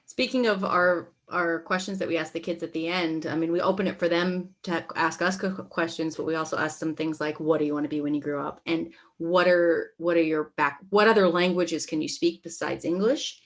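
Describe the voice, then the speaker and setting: A woman with a slightly low voice chats as a theatre guest on a video call. Her delivery is casual and conversational. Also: fairly even intonation, a little fast, few pauses. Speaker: theatre performer, panel guest. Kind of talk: casual panel chat.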